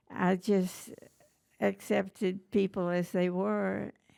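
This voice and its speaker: A woman talks at a very slow pace. Her voice sits at a medium pitch. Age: 80s+. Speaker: interviewee. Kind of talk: oral history interview. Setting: studio. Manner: halting.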